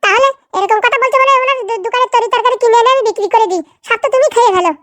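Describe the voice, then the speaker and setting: A performer voicing a nagging, sharp-tongued village housewife in a comedy cartoon, scolding and sarcastic. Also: very high voice, dry recording. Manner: scolding, sarcastic, rapid-fire complaining.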